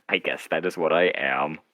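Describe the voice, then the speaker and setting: A man's voice: extremely low pitch, measured pace, bright, forceful tone, no room sound. A young man chatting casually as a podcast guest, in a jokey, self-deprecating way. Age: young adult. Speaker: podcast guest, horror writer. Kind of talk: casual chat.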